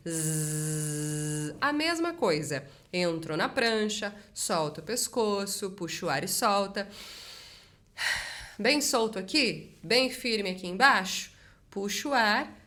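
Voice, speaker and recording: A woman speech therapist teaching a voice exercise lesson in an energetic, direct coaching manner. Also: mid-range voice.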